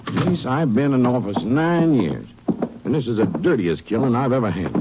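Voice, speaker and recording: A man's voice: medium pitch, expressive, normal speed, close to an everyday voice. A man playing a seasoned, troubled small-town sheriff in a 1950s radio drama, emphatic and folksy. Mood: grim, businesslike. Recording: muffled, noisy old radio recording.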